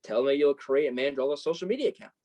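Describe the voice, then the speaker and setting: A woman's voice: extremely low pitch, very fast, mellow, dull audio. A woman playing a supportive, self-deprecating young male journalist and best friend in a staged reading of a play. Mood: urging.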